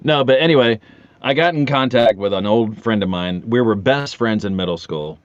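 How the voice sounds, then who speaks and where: A man's voice: mid-range voice, measured pace, lo-fi sound. A man in his forties chatting casually as a podcast guest, telling rambling, jokey anecdotes with casual swearing. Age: 40s.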